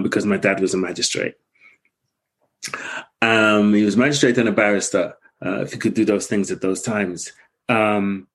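A man from Guyana, a podcast guest, reflectively telling his life story with some halting restarts. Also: on the low side, breathy edge.

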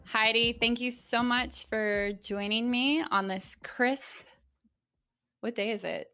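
A woman's voice: fairly high pitch, slow pace, sharp tone. A woman hosting an interview podcast, reading a polished scripted introduction and then chatting casually with her guest. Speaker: podcast host.

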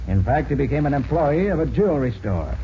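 An actor playing a shrewd, commanding detective in a 1940s American radio drama, speaking in brisk declarations. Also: male voice, fairly high pitch, very animated, warm tone. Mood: accusing, assured. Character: confident master detective, shrewd and authoritative. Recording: dull, hissy 1940s radio recording.

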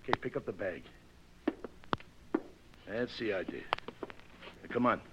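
A menacing American crook in a 1950s radio drama. He is curt and commanding, with wide swings of pitch, on a dull, noisy old recording. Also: animated, a little slow. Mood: threatening. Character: menacing male crook giving curt orders.

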